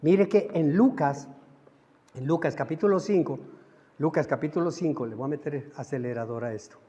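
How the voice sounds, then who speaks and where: A man's voice: on the high side, normal speed, mellow, dull audio. A man with a Colombian Spanish accent preaching a sermon as pastor, impassioned and acting out little dialogues. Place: large church hall. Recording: long church hall reverb.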